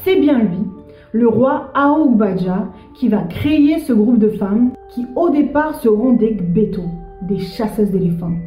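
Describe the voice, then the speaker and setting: A woman presenting a history explainer, lively and speaking directly to the viewer. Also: on the high side, measured pace, reverberant, faint music behind, poor audio.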